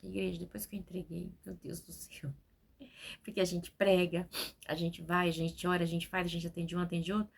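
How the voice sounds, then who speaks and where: A woman's voice: fairly low pitch, little pitch movement, brisk, creaky, breathy edge. A woman in her forties, a preacher, speaking from home and giving a spontaneous, talkative testimony sermon that is full of "né?". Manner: spontaneous, talkative, keeps adding "né?".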